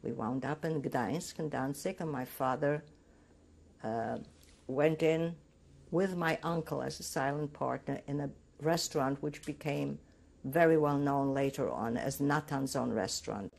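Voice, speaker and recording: Older woman from Greece, first language Greek, oral history interviewee; low, raspy voice, halting recollection. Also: darkish tone. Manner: reminiscing, halting with restarts.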